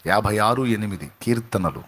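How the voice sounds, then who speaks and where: A man's voice: lively intonation, normal speed, fairly bright tone, slightly rough. Impassioned Telugu-accented male preacher. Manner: impassioned preaching with rising pitch and dramatic quoted speech. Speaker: pastor. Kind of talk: sermon.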